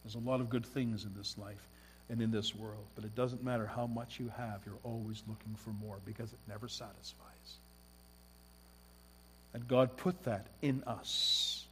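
A man preaching a sermon, swelling loud at climaxes and dropping to a soft hush. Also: medium pitch, a little hiss or hum. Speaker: pastor. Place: church sanctuary. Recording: long church hall reverb.

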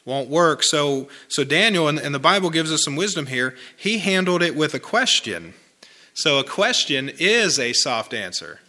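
Bright-voiced folksy male preacher. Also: a little high, very animated, moderate pace. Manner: conversational, folksy, repeats phrases for emphasis. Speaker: pastor. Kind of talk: informal sermon with congregation responses.

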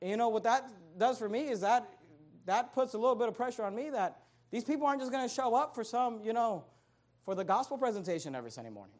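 A man's voice: extremely high pitch, lively intonation, fast talker. A young adult man preaching a sermon as pastor, emphatic and repetitive, driving his points home.

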